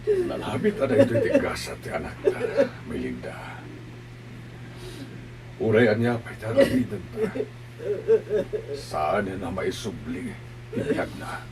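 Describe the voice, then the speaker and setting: A man acts in a homemade melodrama with a gravelly voice and a drawn-out, half-laughing delivery. His pitch leaps widely as he speaks slowly. Clear background noise runs under the recording. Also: huge pitch swings, a little mellow, poor audio. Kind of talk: amateur melodrama acting.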